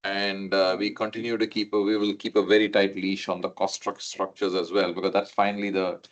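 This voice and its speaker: A man's voice: low voice, little pitch movement, brisk. A man speaking as a finance executive on an earnings call, methodically setting out his points. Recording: dull, muffled call audio.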